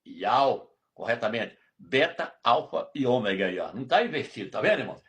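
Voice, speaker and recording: A man's voice: medium pitch, very animated, moderate pace, a bit bright. A man teaching Bible lessons on a live stream, emphatic and repetitive, often checking that his listeners follow. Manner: emphatic, repetitive, keeps asking "tá vendo?". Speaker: religious teacher.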